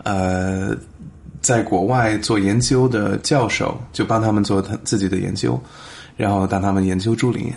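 Low-voiced foreign man with accented Mandarin, gravelly. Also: steady tone, normal speed, darkish tone. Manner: fluent, slips in English words. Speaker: podcast guest. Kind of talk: casual interview conversation in Mandarin as a foreign speaker.

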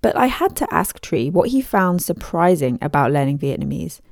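A woman hosting a podcast, reading scripted narration in a lively storytelling delivery. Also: low-pitched, moderate pace, gravelly, a little hiss or hum. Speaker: podcast host.

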